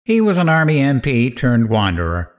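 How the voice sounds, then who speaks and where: An actor playing a cocky, vengeful late-night radio host, sardonic and goading, in dramatic narration and interview. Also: male voice, medium pitch, very animated, moderate pace, close to an everyday voice. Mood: mocking.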